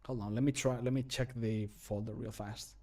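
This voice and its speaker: A man's voice: medium pitch, fairly even intonation, normal speed, darkish tone. Casual, self-deprecating man streaming. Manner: self-deprecating, muttering to himself as he works. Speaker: game modder recording his own voice lines, streamer. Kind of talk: casual livestream commentary while working. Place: indoor room at a computer desk.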